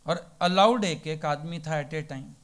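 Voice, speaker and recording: A man's voice: fairly high pitch, slow pace. A man giving a devotional sermon as a spiritual teacher. He tells folksy parables and keeps asking rhetorical questions. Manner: folksy and plain-spoken.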